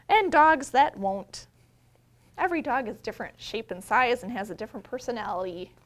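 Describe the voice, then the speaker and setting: A woman hosting storytime as a children's librarian, talking simply to young children with questions, invitations and drawn-out emphasis when reading. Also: fairly high pitch, a bit bright. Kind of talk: children's storytime read-aloud with talk and action rhymes.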